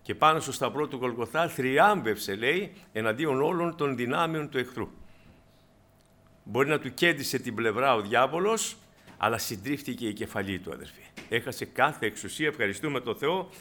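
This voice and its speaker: A man preaching a sermon in a meeting hall, calling his listeners brothers and moving between loud emphatic bursts and quiet asides. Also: medium pitch, expressive.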